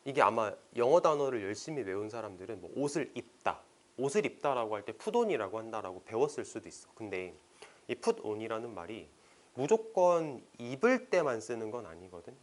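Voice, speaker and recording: A man teaching an English exam passage, reading sentences slowly and explaining them line by line in casual speech. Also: medium pitch.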